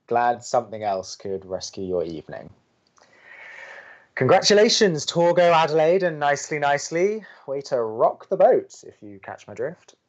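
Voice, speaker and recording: A man's voice: fairly high pitch, sing-song, moderate pace, muffled recording. A man playing a sardonic, awkwardly romantic young college radio co-host with a dry manner, in a scripted audio drama. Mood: teasing.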